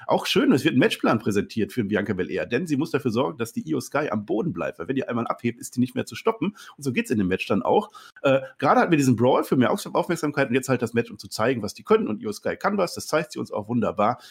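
A man with a husky, mid-pitched voice rattles through match recaps at speed. He is opinionated and lively in casual podcast chat. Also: fast talker. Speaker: podcast co-host reviewing wrestling.

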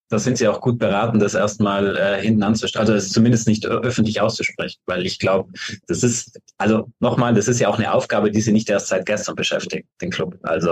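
A man speaking as a guest in a casual sports podcast chat, hesitant and measured, with many fillers. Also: fairly low pitch, husky.

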